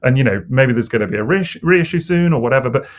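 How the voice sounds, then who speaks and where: A man's voice: mid-range voice, expressive, quick pace. A man co-hosting a casual podcast chat, rambling and hesitant with lots of fillers. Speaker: podcast co-host.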